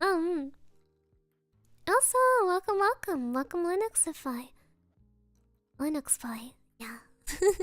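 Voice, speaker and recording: A woman's extremely high voice with very wide pitch swings, very slow pace and long, frequent pauses, dry and close with no echo, over music in the background. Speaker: live streamer reading chat. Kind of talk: casual, chatty.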